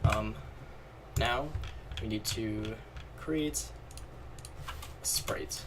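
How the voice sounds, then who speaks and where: Drawing out his words in a fairly low voice, a man who's a little hoarse casually narrates a screen-recorded coding walkthrough as the tutorial host, thinking aloud and correcting himself as he types. A distant mic captures loud keyboard clatter and mouse clicks, so the recording is very noisy.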